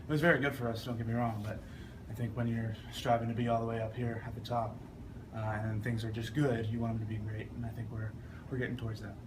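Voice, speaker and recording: A young man, an athlete answering press scrum questions in a measured, earnest way. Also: medium pitch, level tone. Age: young adult. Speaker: football offensive lineman being interviewed. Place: media scrum with ambient noise. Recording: clearly noisy ambient background.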